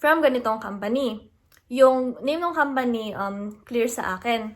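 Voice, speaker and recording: Animated higher-voiced woman vlogger. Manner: animated, indignant retelling with quick asides. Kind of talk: casual storytelling vlog.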